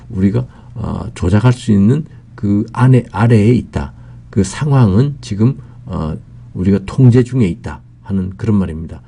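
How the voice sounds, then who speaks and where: A man teaching English in a patient explanatory lecture, saying his example phrases slowly and carefully. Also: fairly low pitch, vocal fry, warm tone, slightly rough.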